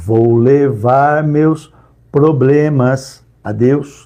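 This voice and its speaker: Here a man is speaking. His tone is dark and mellow. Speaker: preacher. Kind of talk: sermon. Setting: live stream. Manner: animated.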